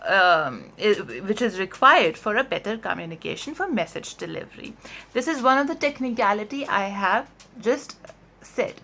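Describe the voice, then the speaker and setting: A woman's voice: mid-range voice, fairly bright tone. A woman who is a non-native English speaker teaches an explanatory video lesson as a coach, stressing and stretching key words and often checking in with short tags. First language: not English. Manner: emphatic, drawn-out key words, frequent check-in tags like "right?". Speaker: online voice and accent coach.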